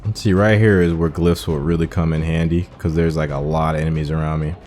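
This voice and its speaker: Male gaming host, low-pitched voice, informal think-aloud play commentary with faint music behind. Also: flat delivery, brisk, darkish tone. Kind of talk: casual gameplay commentary. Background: game music.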